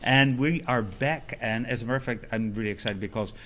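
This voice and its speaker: A man co-hosting a podcast in casual chat, with playful deadpan humor. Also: mid-range voice, a little fast, slight background noise. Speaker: podcast co-host.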